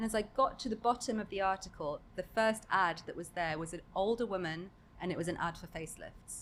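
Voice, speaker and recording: A woman with a British accent and medium pitch talks at a fairly quick pace with ordinary pitch variation. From UK. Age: 50s. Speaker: guest on interview show. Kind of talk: casual interview chat. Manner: animated.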